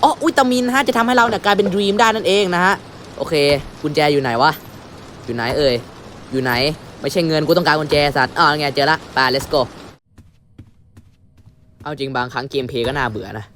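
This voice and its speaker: A young man commentating a horror game playthrough, switching between a mock-polite announcer tone and crude, shouty outbursts. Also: fairly high pitch, expressive, fairly quick, long pauses, a little hiss or hum. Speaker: gamer commentating his playthrough. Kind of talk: casual gameplay commentary.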